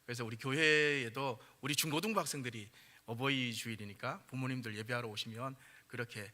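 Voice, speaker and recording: Bright-voiced pastor in a reverberant hall. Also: male voice, a little fast. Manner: conversational, frequent fillers, rises in pitch and volume when emphasizing. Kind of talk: sermon.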